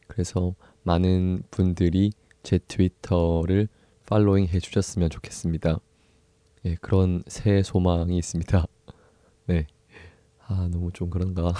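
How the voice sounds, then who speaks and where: Low, mellow Korean-speaking man hosting a book podcast. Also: dry recording. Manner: soft-spoken, unhurried, with pauses and small laughs. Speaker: podcast host. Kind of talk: casual solo book podcast talk.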